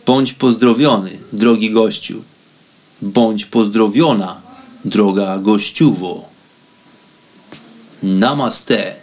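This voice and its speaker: A man's voice: on the low side, very slow, pauses often, a little mellow. Reflective man hosting a spirituality show. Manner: conversational, addresses the listener directly. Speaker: host of a spirituality radio show. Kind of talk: reflective solo monologue to listeners.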